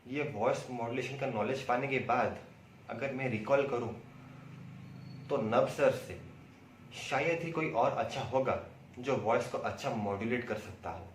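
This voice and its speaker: An Indian man giving a prepared testimonial in a deliberate, emphatic way, with pauses and repeated words. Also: mid-range voice. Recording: roomy echo, distant mic, faint noise.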